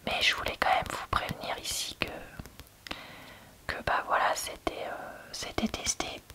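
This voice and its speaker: A woman speaking in a soft, breathy library whisper, chatting casually and hesitantly in an ASMR book review. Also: a little slow. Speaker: book reviewer, host of a reading channel.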